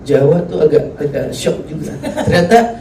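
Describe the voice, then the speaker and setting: A man, a film actor, answering at a press conference, hesitant and quick to laugh. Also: fairly high pitch, lively intonation, warm tone, a little hiss or hum. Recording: distant echoey room.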